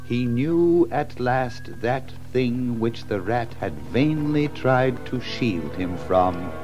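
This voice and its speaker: A man's voice: mid-range voice, expressive, takes it slowly, over music. A man narrating a children's story in a theatrical, suspenseful manner. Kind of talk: dramatic scripted storytelling.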